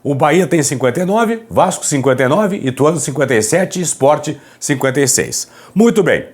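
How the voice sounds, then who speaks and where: A man presenting football news commentary to viewers, speaking softly with a hoarse, raspy voice as he recovers from a throat problem. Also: a little high, expressive, moderate pace. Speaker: sports commentary host.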